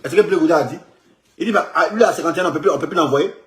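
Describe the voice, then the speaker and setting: A man comments on a picture in an animated, rambling flow, stumbling over words and repeating himself. His voice sits a little high for a man. The room around him is echoey. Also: very fast. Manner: animated, repetitive, stumbling restarts. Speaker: political commentator.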